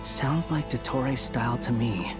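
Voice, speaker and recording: A man's voice: medium pitch, a little slow, loud music behind the voice, natural voice. A man acting a sardonic young wanderer. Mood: guarded. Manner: dry, wry, unimpressed. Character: sardonic, aloof young male wanderer in a fantasy game. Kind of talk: video game voice acting.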